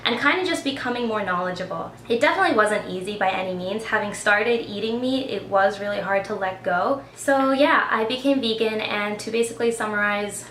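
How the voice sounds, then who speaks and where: A woman's voice: mid-range voice, a little fast, hardly any pauses, a bit bright. A woman in her twenties chatting casually to camera in a get-to-know-me vlog, with frequent "like" fillers. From Australia. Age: 20s. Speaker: vlogger. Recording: echoey room with faint ambient noise.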